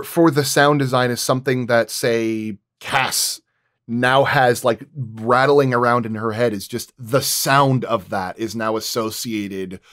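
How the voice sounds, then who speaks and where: Man, medium pitch, sound designer, casual roundtable, explanatory, halting, thinking aloud. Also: fairly bright tone.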